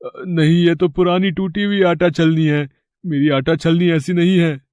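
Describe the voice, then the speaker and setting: In a cartoon story, a man plays a greedy older brother who wheedles and fakes his tears. His voice sits a bit high for a man, and the recording is close and dry. He sounds sly and grasping all the way through. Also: fairly even intonation, normal speed, darkish tone, smooth, dry recording, close to an everyday voice. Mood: fake-weeping. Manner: wheedling, fake-weeping, then panicked. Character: greedy scheming elder brother, grown man. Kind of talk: cartoon voice acting.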